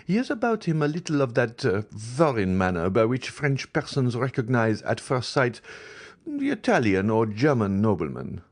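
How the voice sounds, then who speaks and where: A worldly society baroness, as a male narrator raises his voice to play her, confiding and unhurried. The voice sits well above his own and swings widely, leaning on each word with polished ease. A storybook reading of a classic novel. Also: mid-range voice, wildly swooping pitch, voice pushed up. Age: middle-aged. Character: worldly middle-aged baroness, smooth and gossipy.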